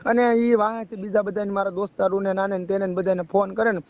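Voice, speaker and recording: A man's voice: high voice, flat delivery, quick pace. A young man with a rural Saurashtra Gujarati accent giving a rambling personal account on a phone call, often checking that the listener follows. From Gujarat, India. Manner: rambling, often adds a checking tag question. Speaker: caller seeking advice. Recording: dull lo-fi phone call recording.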